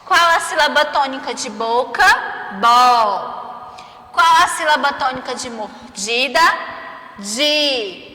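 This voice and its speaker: Speaking at normal speed with few pauses, this teacher has a high, bright, forceful voice and a Brazilian Portuguese accent. She teaches young children remotely, drawing out syllables and often tacking on tag questions. A long reverb fills the roomy recording.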